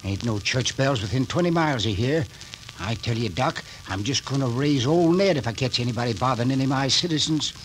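An actor playing a suspicious old cemetery caretaker, drawling and stubborn, in a 1940s radio drama. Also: male voice, mid-range voice, expressive, a little fast, close to an everyday voice, low-quality recording. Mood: gruff. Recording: old radio recording with faint hiss.

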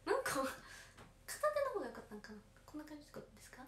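Livestreaming to fans, an idol audition hopeful in her late teens speaks in a high-pitched, very animated, quick voice with a slightly bright tone and a Kansai accent. She reads out viewer comments and responds politely; the audio sounds roomy, with a little background noise.

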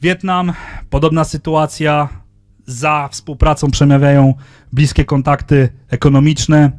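A man in his thirties giving a conference lecture into a handheld microphone, speaking in a measured way with frequent hesitations. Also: fairly high pitch, level tone, no echo, studio quality. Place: lecture room, indoors.

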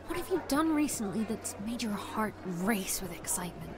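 A woman in her twenties playing a lively, teasing young influencer friend in an audio drama, with music under her voice. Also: medium pitch, normal speed, noisy background. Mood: chatty.

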